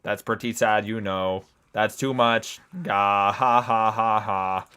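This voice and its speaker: A man voicing a brash, hulking male robot with slow, booming talk and bellowing laughs. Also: steady tone, bright, forceful tone, clear, resonant tone. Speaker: let's play commentator.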